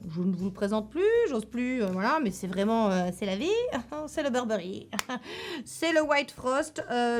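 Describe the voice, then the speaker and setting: A woman's voice: mid-range voice, a little mellow. A woman chatting casually on her beauty channel, enthusiastic, with many fillers and restarts. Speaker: beauty YouTuber. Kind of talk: casual product review chat.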